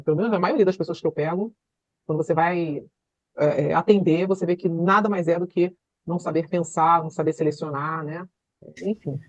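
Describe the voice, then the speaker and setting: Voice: mid-range voice, dry recording. A participant giving appreciative feedback in an online class, thinking aloud with fillers. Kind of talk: casual comment in an online class.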